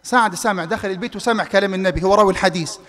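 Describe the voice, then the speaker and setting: A male preacher with an Egyptian accent delivers a Friday sermon at a brisk pace, his voice pitched very high. He swings between loud, emphatic peaks and quiet asides. The sound carries a long mosque-hall reverb from a live stream. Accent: Egyptian Arabic.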